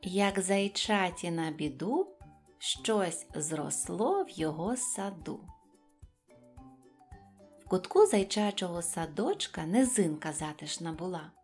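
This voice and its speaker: A woman storyteller narrating a rhymed children's tale in an expressive style. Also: on the low side, slow. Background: faint music.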